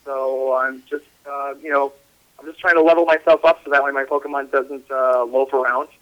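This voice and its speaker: A man's voice: mid-range voice, flat delivery, normal speed. A man hosting a casual podcast in a hypey, loose way, often stumbling and restarting. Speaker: podcast host. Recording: dull lo-fi sound.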